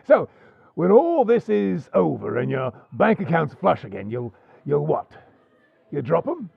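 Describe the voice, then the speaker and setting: Gravelly, theatrical pirate overlord. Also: male voice, on the high side, sing-song, dry recording, muffled recording, exaggerated voice. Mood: amused, sly. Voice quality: gravelly, husky. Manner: deliberate, insinuating, theatrical, formal phrasing. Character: shrewd, genial male pirate overlord, theatrical and probing. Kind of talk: swashbuckling audio roleplay acting.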